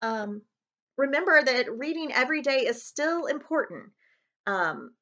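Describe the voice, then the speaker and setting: A woman, reading a storybook aloud to children with expressive, dramatic delivery. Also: high-pitched, unhurried. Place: living room, on a couch. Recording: slightly dull webcam audio.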